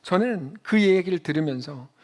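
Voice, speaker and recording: A male pastor preaching a Sunday sermon in a church, telling stories and acting out quotes, swinging between loud emphatic peaks and quiet low asides. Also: lively intonation, normal speed. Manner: storytelling, acts out quotes in a child's voice. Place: church sanctuary.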